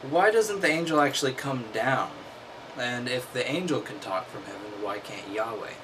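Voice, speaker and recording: A man's voice: medium pitch, lively intonation, moderate pace, noisy background. A man reading aloud and breaking off into wry, mocking commentary. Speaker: host.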